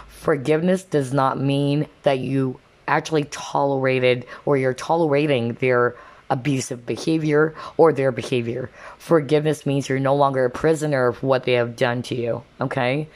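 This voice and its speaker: A tarot card reader talking casually to viewers in a conversational way, often checking in with a short questioning tag. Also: mid-range voice. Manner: conversational, frequently checks in with "okay?".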